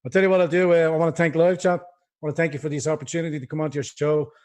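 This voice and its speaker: A man's voice: fairly high pitch, little pitch movement, racing, a little mellow. A man with a Dublin accent, a guest on a livestream interview, talking in a rambling, impassioned way over a video call. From Ireland.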